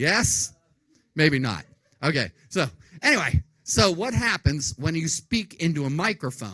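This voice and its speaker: Loud and animated, a man speaks at a fairly slow pace in a high, bright, sharp voice with lively intonation. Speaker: high school media teacher. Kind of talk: classroom lecture streamed live. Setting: school studio, live stream.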